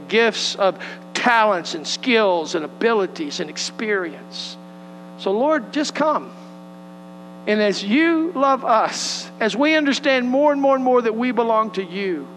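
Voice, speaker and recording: High-voiced West Texas pastor. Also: male voice, a bit bright, long reverb tail, a little hiss or hum, rough recording. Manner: folksy, earnest, prayerful. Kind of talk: sermon with prayer and scripture reading. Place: church sanctuary.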